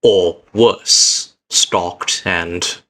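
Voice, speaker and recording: A man streaming as a VTuber, giving a heartfelt personal speech to his chat in an earnest, reflective way, with halting restarts and an uneven pace. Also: low-pitched, steady tone, bright, forceful tone, slight background noise.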